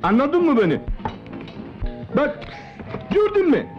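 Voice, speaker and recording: An actor playing a loud, bossy mechanic with a Black Sea accent, barking orders. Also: male voice, very high-pitched, huge pitch swings, slow pace, exaggerated voice. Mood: instructing. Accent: Black Sea Turkish. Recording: dull old film soundtrack with music.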